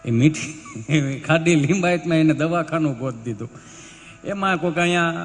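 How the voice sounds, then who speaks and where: A man, a folk stage comedian telling stories and acting out characters' dialogue. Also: fairly high pitch. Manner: animated, acts out characters in dialogue. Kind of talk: live stage storytelling. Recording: long hall reverb, faint music.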